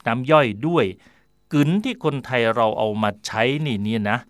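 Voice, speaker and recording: A man hosting a radio talk slot, chatting in a digressive way about where words come from, with fillers and quick self-corrections. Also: medium pitch, clean tone, no room sound, studio quality. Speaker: radio host. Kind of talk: explaining word origins in casual talk.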